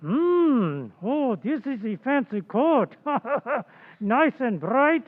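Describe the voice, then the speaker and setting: A man's voice: very high voice, big pitch swings, drawn-out words, heavily acted. A man playing a genial, admiring joint owner who talks in broken English, in old-time radio drama style. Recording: muffled phone-like sound, long hall reverb.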